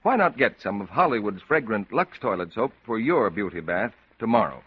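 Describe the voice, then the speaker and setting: A male radio announcer reading a 1940s ad with smooth salesman patter. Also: fairly low pitch, lively intonation, normal speed. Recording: dull lo-fi old radio broadcast.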